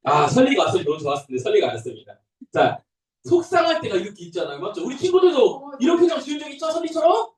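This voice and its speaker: A young adult man who is a pastor, telling a Bible story to toddlers in a sing-song, animated way. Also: very high-pitched, very fast. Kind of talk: children's sermon. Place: church room. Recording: echoey room, voice from a distance.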